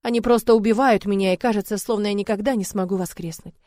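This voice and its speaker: A woman's voice: medium pitch, fairly even intonation, quick pace, dark tone, dry recording, clean studio sound. Woman narrating a dramatic novel. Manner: emotional, dramatic reading. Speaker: audiobook narrator. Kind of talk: first-person novel narration.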